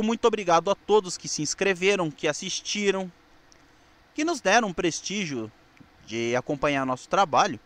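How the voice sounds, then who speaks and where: High-voiced Brazilian man presenting. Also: a bit bright, no echo. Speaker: channel host and presenter. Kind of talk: nostalgic radio-newsreel style video narration with scripted sign-off.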